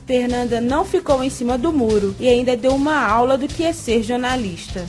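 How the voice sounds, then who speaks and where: High-voiced young Brazilian female presenter. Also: fairly quick, darkish tone, soft background music. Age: young adult. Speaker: student TV co-presenter. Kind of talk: scripted presenting.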